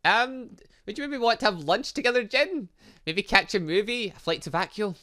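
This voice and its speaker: Visual novel game role: prim, nervous teenage girl, read by a gaming host, bright and swooping in pitch. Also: animated, normal speed. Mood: nervous, hopeful.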